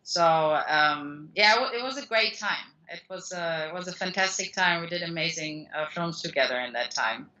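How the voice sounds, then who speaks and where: A woman whose first language is German speaks with a clear German accent. Her voice is bright and a touch low, and she loops back through restarts and fillers as she answers. The sound comes through a dull, lo-fi line. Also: expressive, normal speed, few pauses. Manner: rambling, many restarts and fillers. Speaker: guest author. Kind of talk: conversational interview answers.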